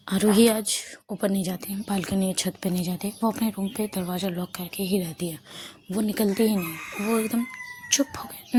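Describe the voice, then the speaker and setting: A woman narrating a love story in a casual, soft-spoken way, often dropping to a whisper. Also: mid-range voice, a little hiss or hum.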